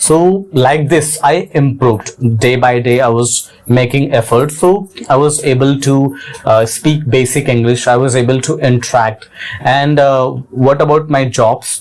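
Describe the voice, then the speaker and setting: Noticeable background noise accompanies a man speaking at a fairly slow pace. His pitch is fairly high, with ordinary variation. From India, Uttar Pradesh. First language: Hindi. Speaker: English teacher YouTuber. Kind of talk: casual monologue, personal story. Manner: hesitant, many fillers.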